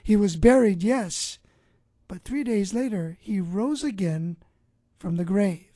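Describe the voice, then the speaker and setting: A man's voice: high voice, animated, takes it slowly, dark tone, no room sound. A man hosting a Christian radio ministry show, speaking earnestly and preachily, sometimes restarting his words.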